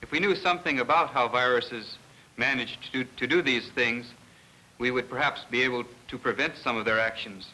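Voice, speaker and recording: A man, a research scientist, giving an educational lecture in a measured, didactic way with pauses mid-sentence. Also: medium pitch, pushed and bright, poor audio.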